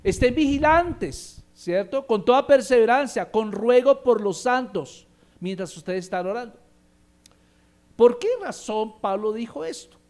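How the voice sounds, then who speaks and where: Emphatic high-voiced Colombian pastor. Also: male voice, a little slow, a little mellow. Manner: emphatic, calls on the congregation for responses. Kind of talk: sermon.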